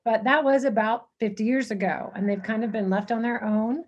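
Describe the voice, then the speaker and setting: Casting: female missionary guest from Texas, husky, easygoing and conversational. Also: fairly high pitch, fairly even intonation, fairly quick, lo-fi sound. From San Antonio, Texas. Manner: easygoing, with frequent um and uh. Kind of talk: interview answers.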